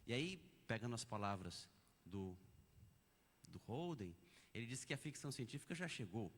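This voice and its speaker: A man's voice: medium pitch, animated, normal speed. A man with a Brazilian Portuguese accent giving an academic lecture at a conference, explaining ideas step by step with examples. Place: conference auditorium. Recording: long reverb of a lecture hall.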